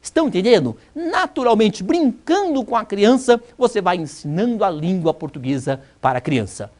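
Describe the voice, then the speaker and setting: Lively Brazilian woman lecturing. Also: medium pitch, moderate pace. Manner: didactic, rhetorical questions, emphatic repetition. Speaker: university lecturer. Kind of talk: recorded distance-learning lecture.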